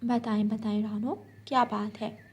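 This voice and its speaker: A woman's voice: a little high, little pitch movement, normal speed, slightly rough. A woman voicing a generous, reassuring aunt bird in a cartoon story.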